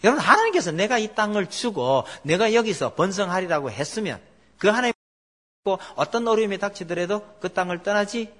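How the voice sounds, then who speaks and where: A man's voice: high-pitched, a little fast. A middle-aged man preaching a sermon as pastor, telling stories and asking the congregation questions. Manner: animated storytelling, asks the congregation questions.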